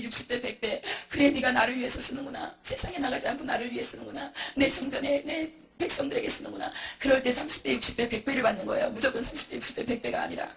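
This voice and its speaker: A woman's voice: sits high, a bit bright. A woman pastor giving an emotional, dramatic testimony sermon, acting out the people in her story.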